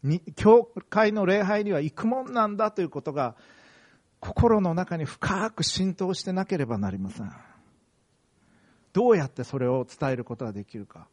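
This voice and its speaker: A man's voice: high-pitched, expressive, normal speed, a little mellow. A middle-aged man from Okayama preaching a sermon, earnest and emphatic, telling personal stories. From Okayama, Japan. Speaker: pastor.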